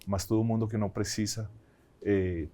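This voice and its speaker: A man's voice: on the low side, flat delivery, moderate pace, dark tone. A man from Colombia, a Spanish speaker, talking conversationally as an interview guest and often restarting his phrases. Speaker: company CEO, interview guest.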